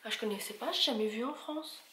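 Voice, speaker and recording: A woman's voice: fairly high pitch, fast talker, fairly bright tone. A woman chatting casually through a shopping haul, listing items and prices and stumbling over English brand names. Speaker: vlogger showing a shopping haul. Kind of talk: casual haul vlog chat. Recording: echoey room with faint noise.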